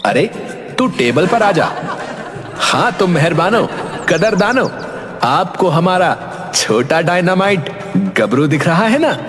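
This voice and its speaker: A man's voice: high-pitched, very animated, takes it slowly, long pauses, fairly bright tone, long reverb tail, full character voice. A man voicing a showy stage magician in a cartoon, delivering sing-song showman patter. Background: background music.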